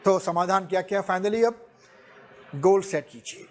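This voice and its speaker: A middle-aged man lectures students with lively, animated delivery, often chuckling as he talks. His voice sits noticeably high for a man, and he drops English phrases freely into his talk. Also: measured pace.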